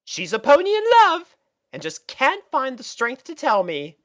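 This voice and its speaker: A prim, genteel lady pony from a storybook cartoon, acted by a woman. The delivery is theatrical and fussy, lifted well up in pitch. Every phrase swoops like an elder sister making a drama. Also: wildly swooping pitch, normal speed, a bit bright, exaggerated voice. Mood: musing, worried.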